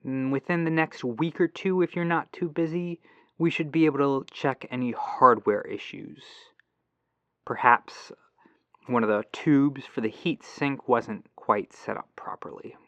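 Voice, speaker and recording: A helpful male tech support agent , acted by a man, talks softly and politely in an ASMR phone roleplay. He is very unhurried, musing aloud with pauses, and his mid-pitched voice has a creaky edge. The sound is a dull, lo-fi telephone line. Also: no room sound. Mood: reassuring. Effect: lo-fi telephone filter.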